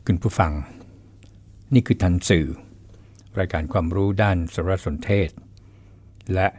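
A man hosts an informational radio program in a low, grounded voice. He speaks in a measured, courteous manner and steadily reads out numbers and percentages. The delivery is scripted and even. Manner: measured, polite, reads out statistics. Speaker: radio host.

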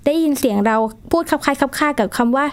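A woman's voice: high voice, quick pace. A woman co-hosting a radio news discussion, explaining stories at length with polite particles. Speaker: co-host.

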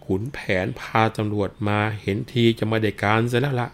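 A man's voice: lowish voice, fairly even intonation, brisk, close to an everyday voice. A man voicing a cowardly bald rich man who whines, wails and fakes illness and possession. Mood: whining. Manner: whiny, wailing, feigns illness and spirit possession.

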